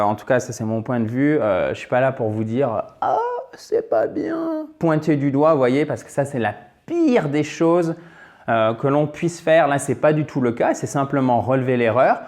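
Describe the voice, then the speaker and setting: A man's voice: mid-range voice, a little mellow. A man teaching English grammar in a video lesson, encouraging and repetitive, with frequent fillers. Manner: encouraging, repeats key points, many fillers.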